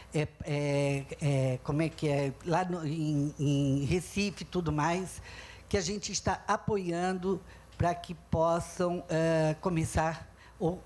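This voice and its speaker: A woman speaking as a panelist, halting as she searches for words mid-sentence. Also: low-pitched, a little mellow. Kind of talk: panel talk.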